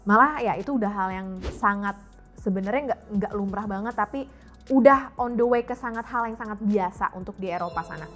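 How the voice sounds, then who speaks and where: A young adult YouTube health and fitness vlogger from Indonesia, of mixed European and Indonesian family, talks frankly and casually to her viewers while dropping English phrases into her chat. Her voice is mid-range, brisk, and fairly bright, with soft music in the background.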